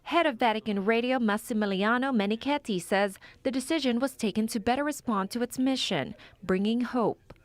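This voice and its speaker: A woman news reporter with a fairly high voice narrates a scripted report. Her delivery is that of a prepared news package. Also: a little fast, hardly any pauses, no echo, soft background music.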